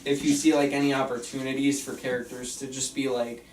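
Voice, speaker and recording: A man's voice: medium pitch, flat delivery, brisk. A man giving casual script feedback, hedging his suggestions tentatively as he goes. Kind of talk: casual chat. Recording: roomy, distant, faint background noise.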